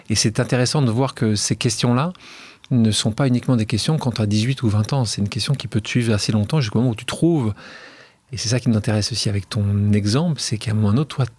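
A man's voice: on the low side, a little mellow, breathy edge, dry recording. A man hosting an interview, asking long, leading questions in a talkative way. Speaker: radio/podcast host. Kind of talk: interview conversation.

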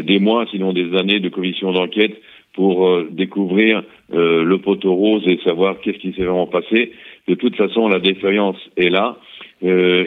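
A man, a former intelligence officer, giving a measured analysis over a phone line in a radio interview, pausing often with hesitant fillers. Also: sits low. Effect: heard over a phone line.

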